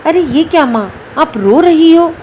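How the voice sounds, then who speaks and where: A woman's voice: high voice, animated, measured pace, dark tone, dull audio, slight background noise, voice pushed up. A woman voicing a caring young magical daughter who calls out eagerly in a storybook tale. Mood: concerned.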